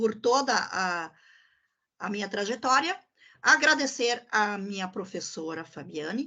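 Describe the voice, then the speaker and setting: A woman speaks very slowly in a German accent, her tone bright and sharp. Her pitch swings very widely against a quiet background. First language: German (speaking Portuguese). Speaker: student teacher. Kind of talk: academic presentation. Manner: halting, with many repetitions.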